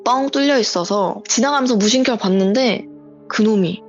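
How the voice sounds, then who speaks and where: A woman's voice: a little high, normal speed. A woman calling in to tell her own true story in a vivid, breathless retelling. She acts out the lines that people said. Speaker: viewer sharing a true story by voice call. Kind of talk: casual call-in storytelling. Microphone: voice call. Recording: muffled voice call with faint music.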